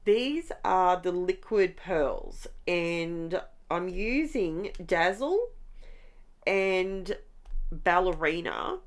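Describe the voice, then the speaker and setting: A middle-aged Australian woman with a congested nose, chatting enthusiastically through a scrapbooking tutorial as she works. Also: lowish voice. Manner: chatty, enthusiastic, talks while crafting. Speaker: scrapbooking channel host. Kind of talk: casual craft tutorial chat.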